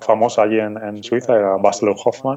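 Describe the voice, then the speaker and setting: A man with a Madrid accent, medium pitch, fairly even intonation and a moderate pace. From Spain, Madrid. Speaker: architect. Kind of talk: interview.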